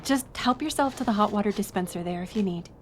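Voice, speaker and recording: A woman's voice: medium pitch, fast talker, slight background noise, close to an everyday voice. A woman playing a friendly, chatty young docent at a historic house in an audio roleplay, casual and upbeat as she talks to the listener. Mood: welcoming. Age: young adult. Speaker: museum tour guide. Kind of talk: audio roleplay, one-sided conversation with listener.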